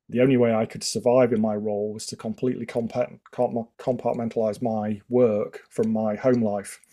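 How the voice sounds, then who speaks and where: The tone is dark and mellow, with a British accent. The intonation stays monotone and flat. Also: man. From UK. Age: 50s. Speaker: pharmacist. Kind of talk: interview. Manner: halting, frequent repetitions.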